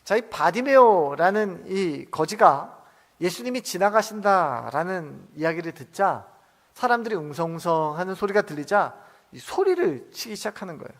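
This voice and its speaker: High-voiced pastor preaching in a reverberant hall. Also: male voice, expressive, normal speed. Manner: asks the congregation many questions, dramatic shifts between soft and loud. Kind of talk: sermon. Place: church sanctuary. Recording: long reverb of a church hall.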